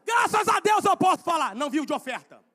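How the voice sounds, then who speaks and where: A man preaching a sermon in a church, swinging from quiet asides to fervent shouted exhortations with slow, drawn-out emphasis. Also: extremely high pitch, big pitch swings, some chatter behind.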